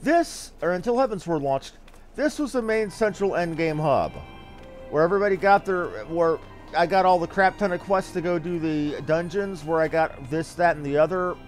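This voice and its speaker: A man's voice: a little high, normal speed, soft background music. A man giving casual gameplay commentary as a streamer, with crude, salty asides. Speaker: game streamer.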